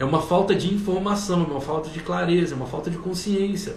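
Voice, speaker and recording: A man with a high pitch talks at a moderate pace amid noticeable background noise and audible room echo. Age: 40s. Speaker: business consultant. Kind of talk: live online class. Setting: livestream. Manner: animated.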